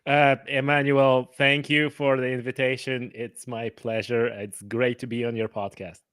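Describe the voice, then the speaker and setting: A man from Poland with a Polish accent, explaining things haltingly as a guest in a casual interview. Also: mid-range voice, level tone, a bit bright, smooth, no room sound, studio quality. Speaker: podcast guest.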